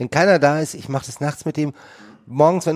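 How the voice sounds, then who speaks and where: A man's fairly even intonation on a very clean recording with a silent background. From Munich, Germany. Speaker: film editor. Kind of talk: interview.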